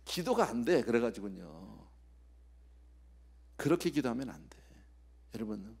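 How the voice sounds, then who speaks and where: A man's voice: mid-range voice, creaky, a little mellow, slightly rough. A male pastor preaching an expository sermon at a midweek prayer service. He acts out scenes, drops to whispers and puts rhetorical questions straight to the congregation.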